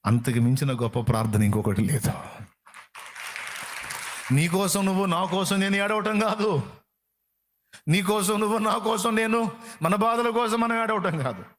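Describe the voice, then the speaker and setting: A man's voice: fairly high pitch, moderate pace, long pauses, slight background noise. A man preaching a sermon with fervor, repeating phrases for emphasis. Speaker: pastor.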